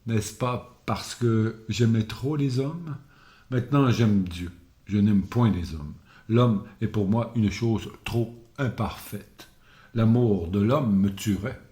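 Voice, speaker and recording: A grave old hermit living alone in the woods, as a male reader takes on his part. He speaks slowly in a low, mellow voice, and the room gives it a roomy echo. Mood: solemn.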